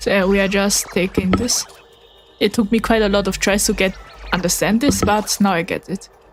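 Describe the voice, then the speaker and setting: Music plays in the background as a woman speaks at medium pitch and a moderate pace with fairly even intonation. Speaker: VTuber game streamer. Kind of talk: casual game livestream commentary. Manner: halting, many fillers.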